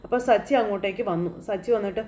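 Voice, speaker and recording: A woman's voice: mid-range voice, rapid-fire, mellow. A woman from Kerala casually recapping a TV serial episode, chatting her way through the scenes and quoting the characters as she goes.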